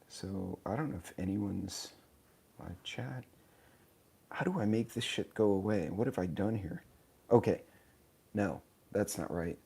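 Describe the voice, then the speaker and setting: A man, hoarse from his sinuses, hosting a casual live stream, rambling and joking at himself while greeting viewers by name. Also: lowish voice, mellow. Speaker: channel host. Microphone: tablet mic in vertical live stream.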